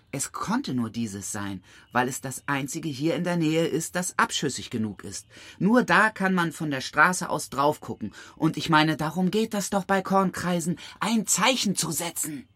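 A woman's voice: sits low, a bit bright, breathy edge, no room sound, exaggerated voice. A woman playing a pushy, self-assured activist camp leader in naturalistic radio drama dialogue, insistent and persuasive.

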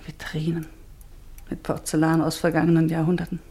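An actress playing a weary, homesick exiled wife in a radio drama, with a hushed, wistful delivery and dramatic pauses. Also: female voice, sits low, monotone. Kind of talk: mid-century German radio drama acting.

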